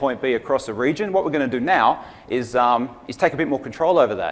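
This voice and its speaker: Lively intonation and a fairly quick pace from a man. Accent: Australian. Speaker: technical consultant presenting software training. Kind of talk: conference lecture with software demo. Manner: fast, with filler words.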